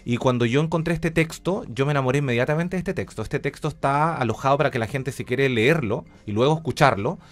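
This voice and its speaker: A man's voice: mid-range voice, quick pace, hardly any pauses. A man with a Chilean accent speaking as a radio interview guest, explaining things in an informal, enthusiastic way. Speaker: interview guest, radio drama director and academic.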